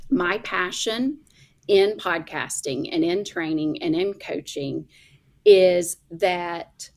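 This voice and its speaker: Chatty Oklahoma woman in midlife. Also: mid-range voice. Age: middle-aged. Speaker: podcast guest, coach. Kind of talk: casual chat.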